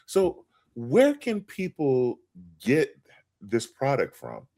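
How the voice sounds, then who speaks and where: A man's voice: mid-range voice, wildly swooping pitch, slow, warm tone. A man hosting a podcast, quizzing his co-host in a playful way and laughing easily.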